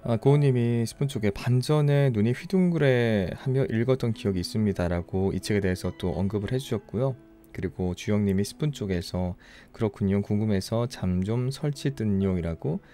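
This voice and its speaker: A tired young man from Ulsan, hosting a late-night reading stream, chatting softly and unhurriedly as he thanks listeners. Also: lowish voice, faint music behind. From Ulsan, South Korea. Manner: soft, unhurried, apologetic and thankful. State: tired after a long broadcast. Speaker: book-reading livestream host. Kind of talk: casual chat reading listener comments.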